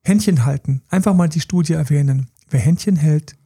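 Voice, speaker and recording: A man's voice: a little high, brisk, slightly rough, dry recording, studio quality. A man co-hosting a podcast, giving casual, slangy relationship advice and acting out small quoted scenes. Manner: animated, acts out little quoted scenes; colloquial, slangy. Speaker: podcast co-host. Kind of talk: casual coaching talk.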